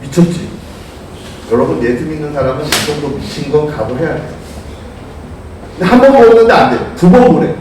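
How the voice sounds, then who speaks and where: A man preaching a lively storytelling sermon to young people, asking them questions and calling on them by name. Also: on the high side, a little fast, long pauses, a little hiss or hum. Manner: animated, asks listeners questions, calls on them by name. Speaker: youth pastor. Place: church sanctuary. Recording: echoey church hall, distant mic.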